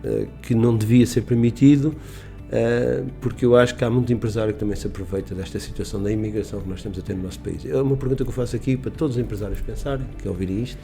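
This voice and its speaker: A middle-aged businessman being interviewed on local radio. He talks quickly in a low, dark, mellow voice, rambling and emphatic. Faint music sits under the studio sound. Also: steady tone, creaky. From Portugal. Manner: rambling, emphatic, with restarts and quoted dialogue. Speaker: business owner guest.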